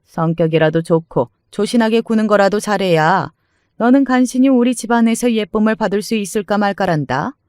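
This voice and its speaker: A man voicing a domineering, scornful older mother-in-law, scolding in a shrill, contemptuous way. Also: a little fast, darkish tone, clean tone, no echo, studio quality, close to an everyday voice. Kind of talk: dramatized story reading.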